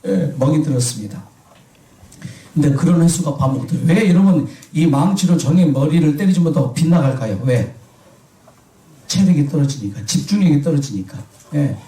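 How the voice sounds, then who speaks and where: Male pastor, fairly high voice, questioning the congregation, recorded from a distance in a reverberant hall. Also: animated, moderate pace, dark tone. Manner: asks the congregation questions and answers himself. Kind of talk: sermon.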